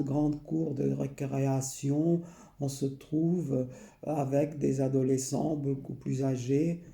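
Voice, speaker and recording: Older guy, slow and halting, dark gravelly voice, echoey room. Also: mid-range voice. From Portugal. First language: Portuguese. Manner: hesitant, many pauses and repeated phrases. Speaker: memoir narrator. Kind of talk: slow personal recollection.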